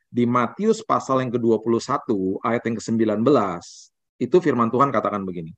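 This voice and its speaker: A male pastor preaching a sermon, lively and conversational, often tagging sentences with "ya" and "nah". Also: mid-range voice, fairly quick, no echo, dull audio. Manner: animated storytelling preacher with filler "ya" and "nah".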